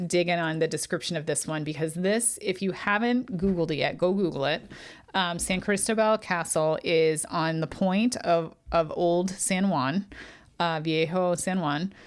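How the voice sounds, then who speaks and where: Eager chatty woman podcast host. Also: fairly low pitch. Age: adult with children. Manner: earnest, eager, chatty with many ums and restarts. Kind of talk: guided remote viewing reveal, casual podcast talk.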